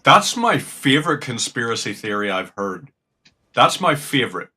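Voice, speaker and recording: A man's voice: medium pitch, big pitch swings, normal speed, pushed and bright, slightly rough. A young man casually commentating on a game, jokey and rambling, swearing now and then. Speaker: gaming streamer. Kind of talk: casual commentary while playing.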